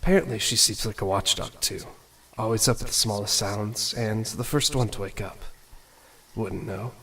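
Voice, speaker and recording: A man playing an awkward, self-doubting young prince musing to himself in a fan audio drama, with a husky voice. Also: on the low side, normal speed, a bit bright, far from the mic. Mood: wistful musing. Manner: casual, introspective musing.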